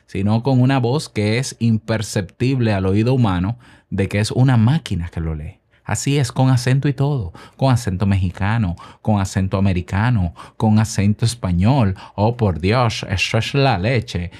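A man's voice: on the low side, mellow. A man from the Republic, hosting his own podcast in a chatty, self-promoting way with rhetorical questions. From Dominican Republic. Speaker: podcast host. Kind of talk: solo podcast monologue.

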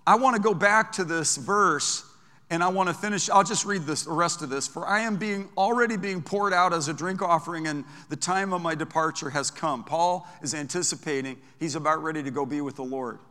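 Older man, pastor, emphatic sermon delivery, forceful tone, long church reverb. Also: fairly high pitch. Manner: emphatic, preaching with drawn-out stressed phrases.

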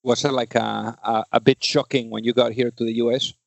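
A man's voice: medium pitch, flat delivery, brisk, gravelly, dry recording. A man hosting a business podcast, talking in a conversational way with fillers and repeated words. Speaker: podcast host. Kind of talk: casual interview.

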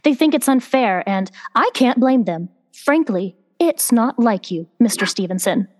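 An actress playing a frank, disapproving office secretary in radio comedy. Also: female voice, a little high, expressive, unhurried. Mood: reproachful. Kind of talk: old-time radio comedy acting.

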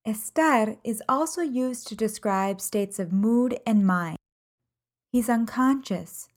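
A woman teaching a language lesson podcast, reading example sentences in measured, carefully enunciated phrases. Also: a little high. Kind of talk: slow, clear podcast lesson.

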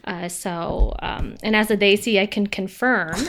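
An American woman in a relaxed conversation, eager and often laughing as she explains. Her voice sits in an ordinary middle range and sounds natural and unforced. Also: medium pitch, unhurried, gravelly. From United States. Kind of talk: casual chat about a show.

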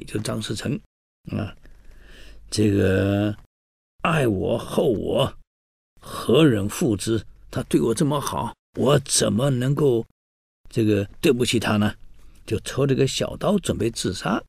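A man telling history in a casual storytelling style, animated, acting out the quoted dialogue, with many fillers. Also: mid-range voice, moderate pace, vocal fry, no echo, studio quality.

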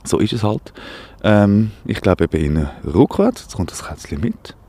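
A man's voice: lowish voice, big pitch swings, normal speed, dark tone, slightly rough. A man with a Swiss German accent hosting a satirical radio show, talking outdoors in a rambling, sarcastic, mock-alarmed way. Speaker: radio host. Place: outdoors, walking.

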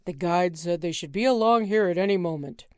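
Woman putting on a whiny cold husband, loud and fretful, dry close sound. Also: on the low side, lively intonation, fairly quick, clean tone, dry recording, natural voice. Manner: whiny, complaining, reluctant. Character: nervous grumpy middle-aged husband.

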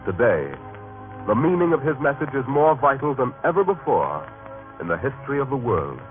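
A man narrating a vintage radio drama in a solemn, grand, measured style. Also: mid-range voice, very animated. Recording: tinny old radio recording. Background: music.

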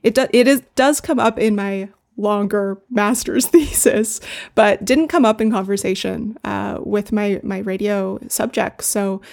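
A woman's voice: mid-range voice, fairly even intonation, a little slow, gravelly, a little mellow. A woman speaking as a radio scholar and doctoral candidate, answering interview questions in a thoughtful, hesitant way with many fillers. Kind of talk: casual interview talk.

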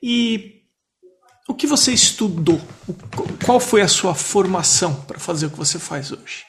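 A man's voice: sits high, lively intonation, measured pace, fairly bright tone, slight background noise. A man with a Brazilian accent hosting a podcast, speaking in a conversational interview style. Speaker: podcast host.

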